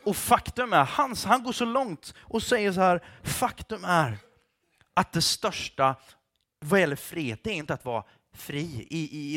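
A man delivers a passionate sermon with a high, bright voice. He swings between quiet, earnest stretches and loud, fervent bursts. He sprinkles casual English phrases into his preaching. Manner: passionate, shouting at times, mixes in English phrases. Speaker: pastor.

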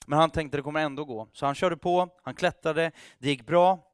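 A man's voice: fairly high pitch, clear, resonant tone. A man preaching, his voice sitting a little above the usual male range. He tells a long story in a loose, chatty way, stumbling and restarting, and acts out the lines of the people in it. The sound is dry and close, with no room echo. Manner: conversational, with frequent restarts and acted dialogue. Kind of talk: sermon storytelling.

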